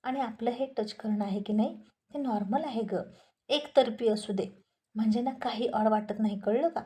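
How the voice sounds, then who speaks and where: A woman's voice: on the high side, steady tone, moderate pace, warm tone, lightly acted. A woman voicing a handsome, gym-going young man who teases and lectures his wife in a story reading.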